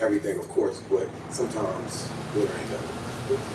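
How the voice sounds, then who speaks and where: A man speaks with an American accent at a fairly quick pace. There is noticeable background noise. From Indiana. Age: 40s. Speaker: dating show contestant. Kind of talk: casual chat.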